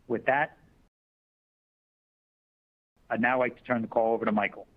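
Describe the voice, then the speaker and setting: A man's voice: mid-range voice, level tone, fast talker. A man in investor relations reading scripted corporate remarks in a formal, businesslike way. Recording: dull lo-fi conference call audio.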